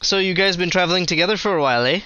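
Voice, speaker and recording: A man's voice: sits high, racing, pushed and bright, smooth, no echo, dull audio. A man running a tabletop game as game master, joking and laughing loosely between scenes.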